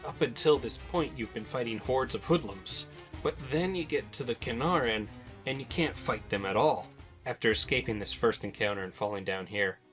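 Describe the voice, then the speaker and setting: A man narrates a video game countdown in a fairly low voice. He talks informally, like a personal retrospective, with wry asides. Music plays softly behind him.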